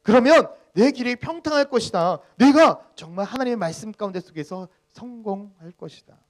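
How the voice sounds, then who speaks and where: A man voicing a stern fatherly male deity who scolds his people with loud, blunt questions. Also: high-pitched, expressive, moderate pace, voice pushed up. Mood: rebuking.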